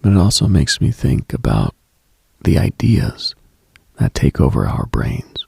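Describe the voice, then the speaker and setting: Speaking slowly on late-night radio, a man with a deep, gravelly, breathy voice drifts through a mystical ASMR-like monologue, heavy with vocal fry. He keeps it hushed and reflective, with big pitch swings and frequent long pauses. The close, dry recording has no trace of room sound.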